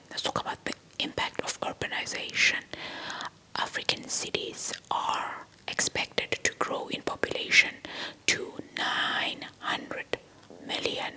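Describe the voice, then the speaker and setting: Casting: female ASMR narrator, breathy all-whisper delivery, very sharp and bright, repeats phrases deliberately. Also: low-quality recording. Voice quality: breathy, fully unvoiced whisper. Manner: slow, deliberate, often repeating words and phrases. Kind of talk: whispered ASMR lecture, reading informational text.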